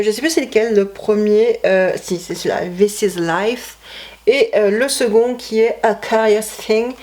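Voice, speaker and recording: A woman's voice: mid-range voice, a little mellow, a little hiss or hum. A woman vlogger chatting casually about her CD collection, rambling and correcting herself with many fillers. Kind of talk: casual chat.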